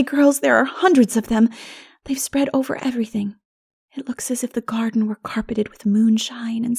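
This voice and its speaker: A woman's voice: a little high, mellow, slightly rough, no room sound, clean studio sound. A woman voicing an earnest, imaginative girl heroine in a classic novel audiobook. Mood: curious, delighted. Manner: earnest, rhapsodic.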